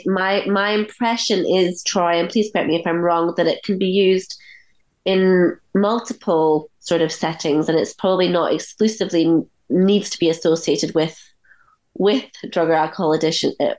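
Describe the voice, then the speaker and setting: Husky, cold-hoarsened woman podcast host. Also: fairly low pitch, fairly even intonation, normal speed, darkish tone, poor audio. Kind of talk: podcast interview talk.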